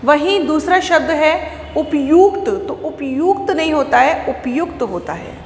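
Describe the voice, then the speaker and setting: A woman's voice: high voice, lively intonation, measured pace, slight background noise. A woman teaching a school lesson to children, explaining patiently and asking questions that she then answers herself. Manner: explains patiently, repeats words and asks then answers her own questions. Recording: echoey room with long reverb, faint ambience.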